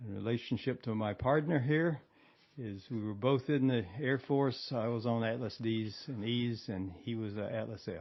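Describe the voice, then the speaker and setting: This man's voice sits at medium pitch, with a Southern US accent. He talks at a moderate pace with ordinary pitch variation. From eastern North Carolina. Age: 70s. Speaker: Air Force veteran. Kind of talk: casual interview. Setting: at a refurbished missile silo.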